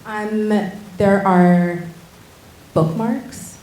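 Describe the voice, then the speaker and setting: A woman's voice: mid-range voice, steady tone, extremely slow, darkish tone. A woman leading a post-show talkback in a theater, answering audience questions and searching for her words. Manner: thoughtful, searching for words, restarts. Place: theater auditorium. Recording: echoey theater room with hiss.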